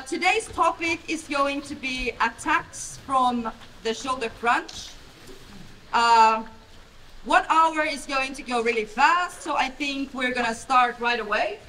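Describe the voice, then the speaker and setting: A woman in her thirties with a Finnish accent runs a hands-on jiu-jitsu class. Her voice sits high and she talks slowly, stopping often. She speaks loudly and plainly, recorded by a distant camera in a large, bright training hall. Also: a little hiss or hum. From Finland. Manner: loud voice, plain halting instruction. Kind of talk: live technique demonstration.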